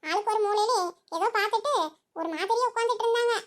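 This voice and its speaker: Woman voicing Karuppayi, a shrill gossiping neighbor. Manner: breathless rapid gossiping, chuckling asides. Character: gossiping nosy village woman neighbor, insistent. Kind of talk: cartoon voice acting.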